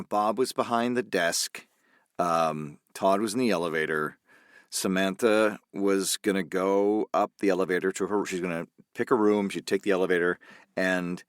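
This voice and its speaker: A man, an actor guest on a podcast, talking things through thoughtfully and haltingly. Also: lowish voice, smooth, no echo, clean studio sound. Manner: thoughtful, halting, many fillers and restarts. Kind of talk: casual interview chat.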